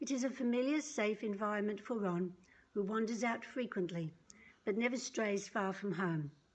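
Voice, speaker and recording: With an Australian accent, a woman speaks at a moderate pace. Her pitch is fairly high, with ordinary variation. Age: 60s. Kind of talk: prepared personal testimony read aloud. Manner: measured, formal.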